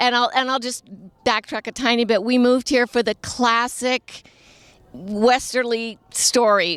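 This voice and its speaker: A woman with a General American accent has a normal speaking voice, fairly high in pitch, at a moderate pace. The sound is dry and close, with no echo. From Los Angeles. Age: 60s. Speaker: electric vehicle activist. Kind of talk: interview.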